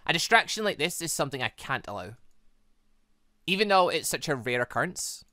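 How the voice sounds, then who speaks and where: Visual novel villainess, read by a let's play host: measured, low-key, possessive and in command, dry close sound. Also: sing-song, bright, forceful tone, no room sound. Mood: cool, possessive. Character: coolly possessive, commanding villainess plotting her mission.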